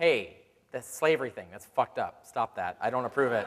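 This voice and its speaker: A man puts on a booming character voice at a medium pitch. He moves at a fairly quick pace. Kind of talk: casual, modern slang. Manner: booming, commanding.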